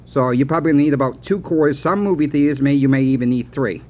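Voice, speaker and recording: A man's voice: medium pitch, fast talker, a little mellow. A man talking casually to viewers as a plainspoken explainer, repeating his points and posing rhetorical questions. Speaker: host of a coin and silver channel. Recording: clearly noisy background.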